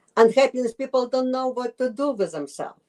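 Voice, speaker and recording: In a Russian accent, a woman speaks with a high pitch, the sound dry and close with no echo. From former USSR. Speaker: life coach. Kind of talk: interview answer.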